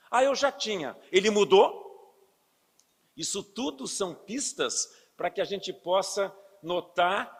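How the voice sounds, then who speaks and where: A man's voice: high voice, fairly bright tone, husky. A man in his sixties from Brazil with a Southern Brazilian accent, giving an earnest public health lecture as a physician and explaining with rhetorical questions. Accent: Southern Brazilian Portuguese. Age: 60s. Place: lecture hall. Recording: hall reverb.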